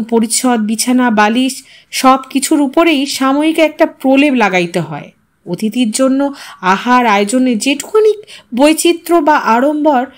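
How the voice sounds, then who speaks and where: A woman narrating a literary short story aloud in a measured, steady storytelling manner. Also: high voice. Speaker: audiobook narrator.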